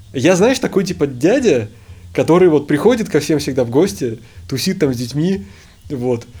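With long, frequent pauses at a moderate pace, a man speaks in a dark, mellow, somewhat breathy tone, his fairly high pitch making very wide swings. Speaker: videographer. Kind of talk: casual chat. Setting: studio.

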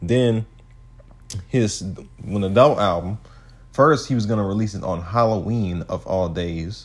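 Speaking at a fairly slow pace with long, frequent pauses, a man uses a fairly low pitch with ordinary pitch variation. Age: 20s. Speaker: podcast host. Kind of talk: casual monologue. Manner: halting, many fillers.

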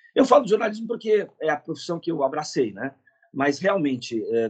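The speaker's intonation is lively and the pace is moderate. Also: man. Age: 50s. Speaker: historian and journalist. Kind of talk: interview. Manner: halting.

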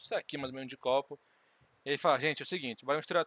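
With a bright, sharp tone, a man speaks at a fairly high pitch in a dry, close sound with no echo. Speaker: podcast host. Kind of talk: casual chat. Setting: live stream.

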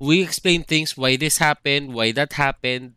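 Delivered at a moderate pace with fairly even intonation, the bright, sharp voice has a dry, close sound with no echo. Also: man. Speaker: esports caster. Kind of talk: casual chat.

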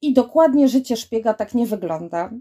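A woman's fairly high voice comes through on a very clean recording against a silent background. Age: 40s. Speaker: children's book publishing promotion specialist. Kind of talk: podcast interview.

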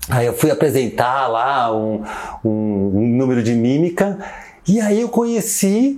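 A man speaks at a very slow pace with very wide pitch swings. The room echo is audible and the background noise is noticeable. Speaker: podcast host, actor and mime. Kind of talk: casual interview chat.

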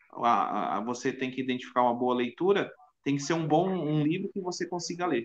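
An unremarkable speaking voice from a man whose fairly high pitch moves with ordinary variation. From São Paulo, Brazil. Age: 40s. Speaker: school education administrator, albino. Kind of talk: casual chat.

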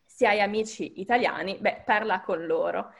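This woman has an unremarkable speaking voice with medium pitch. She talks at a fairly slow pace with ordinary pitch variation. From northern Italy, near Lake Maggiore. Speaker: online Italian teacher. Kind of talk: interview.

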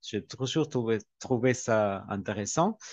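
A man with a Spanish accent talks at a very slow pace with ordinary pitch variation. The background is quiet. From Argentina. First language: Spanish (speaking French). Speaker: language teacher. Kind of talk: casual interview. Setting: video call. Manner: halting.

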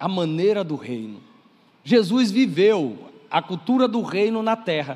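A man speaks with a high voice and lively intonation. His pace is fairly slow. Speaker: pastor. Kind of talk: sermon. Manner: animated.

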